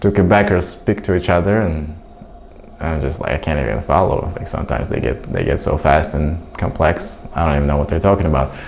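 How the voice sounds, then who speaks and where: Someone with a Russian accent speaks at a fairly quick pace with ordinary pitch variation over noticeable background noise. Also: man, very deep, low pitch for a man. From Crimea, Ukraine. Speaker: English teacher. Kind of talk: personal monologue vlog. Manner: hesitant, many fillers.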